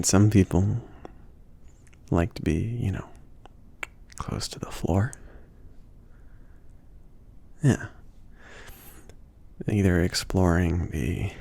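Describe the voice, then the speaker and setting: A man playing a bashful, indulgent mage shopkeeper in an intimate ASMR roleplay, speaking in a breathy, gravelly half-whisper with a hesitant, gently teasing, rambling manner. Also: low-pitched, heavily acted. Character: soft-spoken, bashful, easygoing male mage shopkeeper, indulgent.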